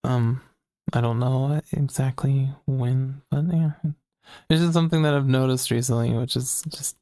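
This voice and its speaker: A woman's voice: a bass voice, moderate pace, dry recording, clean studio sound. A trans woman co-hosting a casual podcast, chatty and giggly, tired and working on a feminine voice. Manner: giggly, laughs often, animated. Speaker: podcast co-host and streamer. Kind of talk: casual chat.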